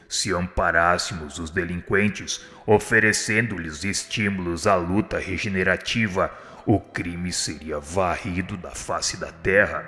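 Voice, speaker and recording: A man playing a gentle, humble spirit instructor in a radio drama, speaking with serene firmness in solemn, formal appeals. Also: sits low. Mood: earnest. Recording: long hall reverb, faint music. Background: faint music.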